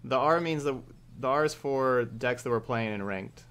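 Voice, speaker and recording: A man's voice: mid-range voice, normal speed, fairly bright tone, smooth. A man in his thirties giving casual commentary on a game he is streaming from a room at home.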